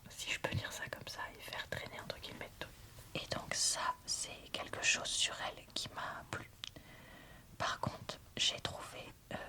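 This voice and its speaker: A woman whispers in a breathy, unvoiced ASMR style, speaking informally and frankly as she reads and reviews books. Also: a little high, bright, forceful tone. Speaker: book reviewer.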